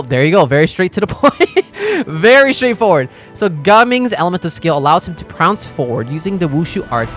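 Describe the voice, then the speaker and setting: Male game reaction host, fairly high voice, very lively intonation, slangy exclamatory delivery. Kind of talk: casual reaction commentary on a game. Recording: music behind the voice. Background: game video music.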